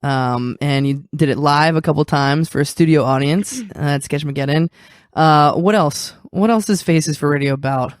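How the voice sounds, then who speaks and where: A woman hosting a casual podcast interview, informal and quick to interject with quips. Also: low-pitched, no room sound, studio quality.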